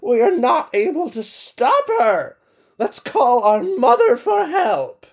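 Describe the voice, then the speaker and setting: Spiteful blizzard sisters, put on by a man, shrieking far above his own voice with a husky edge. Angry, shrill storybook spirits of the snow. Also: very animated, takes it slowly, heavily acted. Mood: desperate. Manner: shrill, screaming.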